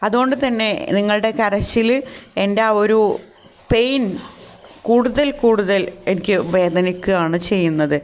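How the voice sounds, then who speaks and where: A woman explaining a folk song line by line, reading the quoted lines slowly and a little higher, with hesitant fillers. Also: clear, resonant tone, poor audio. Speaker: teacher explaining a poem. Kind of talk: lecture mixing Malayalam and English.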